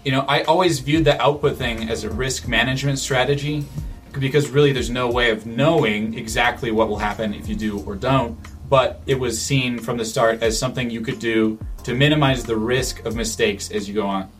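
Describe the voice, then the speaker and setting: A man speaks at an ordinary middle pitch in relaxed conversation, pausing and restarting as he works out his thoughts. Faint music plays softly behind him. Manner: thoughtful, with frequent restarts and fillers. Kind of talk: casual conversational chat.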